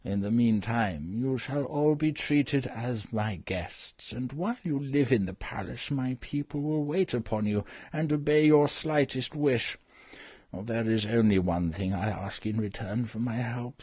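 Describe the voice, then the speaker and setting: A man plays a sheepish old wizard who is really a humbug. His voice is husky and dry at an ordinary pitch, and he sounds apologetic and coaxing. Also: measured pace, darkish tone, no room sound. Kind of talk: dramatized audiobook reading.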